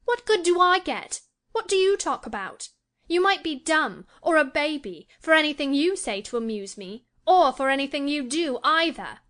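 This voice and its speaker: A woman reading aloud, voicing a petulant, spoiled teenage girl in a high, lively voice. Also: normal speed. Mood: peevish.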